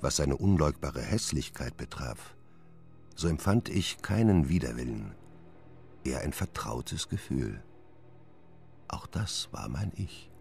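A man playing a brooding, sinister Victorian doctor in a radio play, with measured, menacing delivery. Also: rumbling low, sing-song, darkish tone, faint music behind, full character voice. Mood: brooding, confessional. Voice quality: gravelly. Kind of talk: German radio play acting and narration.

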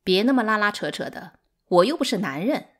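A woman voicing a spiteful, domineering concubine in an audiobook, scornful and forceful in her delivery. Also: mid-range voice, animated, fairly quick, lightly acted. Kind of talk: dramatic audiobook character acting.

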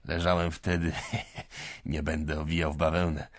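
A man's voice: rumbling low, little pitch movement, moderate pace, no echo, studio quality. A man reading an audiobook, voicing a drunken aging clerk who pleads and preaches in a wavering, pitiful voice. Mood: rueful.

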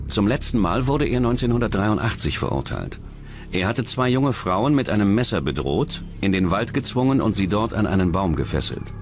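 A man narrating a true-crime documentary in a scripted style. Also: on the low side. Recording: music bed under the voice.

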